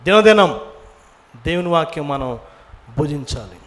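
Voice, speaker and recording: A man delivers a Bible-teaching sermon in a noticeably high voice. He teaches by questioning his listeners, often answering himself. He slips English words into his speech. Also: lively intonation, a little slow, fairly bright tone. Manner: asks the audience many questions, drops in English words. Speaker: preacher.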